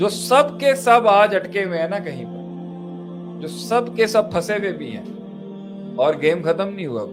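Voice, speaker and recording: Music plays in the background while the loudness swings widely. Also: man. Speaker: Islamic preacher. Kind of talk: emotional religious sermon. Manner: emotional, impassioned.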